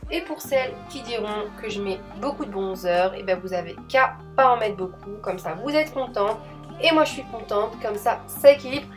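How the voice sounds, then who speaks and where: A young woman talks through her makeup routine in a chatty, enthusiastic voice-over. Her voice sits at an ordinary middle pitch. Quiet music plays beneath her. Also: animated, moderate pace. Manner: chatty, enthusiastic, addresses viewers as girls. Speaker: beauty vlogger.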